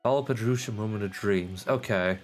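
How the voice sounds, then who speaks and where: A man's voice: fairly low pitch, fairly quick, slight background noise. A man doing casual live gameplay commentary, rambling, repeating himself and swearing offhand. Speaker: game livestreamer.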